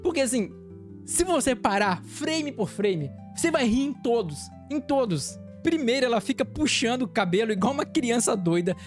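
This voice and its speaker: A woman with a Brazilian Portuguese accent hosting an anime channel, recapping an episode in an animated, chatty way and laughing often. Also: a little high, normal speed, faint music behind.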